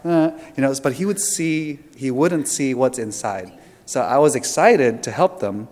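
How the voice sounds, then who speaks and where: A man's voice: medium pitch, lively intonation, unhurried, darkish tone, long reverb tail. A man from Indonesia leading a seminar talk, asking the audience questions in a conversational way with fillers and restarts. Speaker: seminar presenter.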